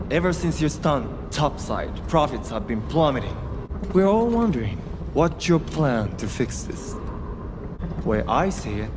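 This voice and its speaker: An actor playing a brash, scheming male underworld boss who speaks in a mocking, confrontational way. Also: on the high side. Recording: noisy background.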